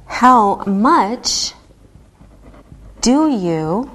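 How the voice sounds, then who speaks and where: Woman English teacher, patient and deliberate, speaking at an extremely slow pace. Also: a little high, sing-song, fairly bright tone. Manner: patient, deliberate, spells things out step by step. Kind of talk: slow, clearly enunciated classroom teaching.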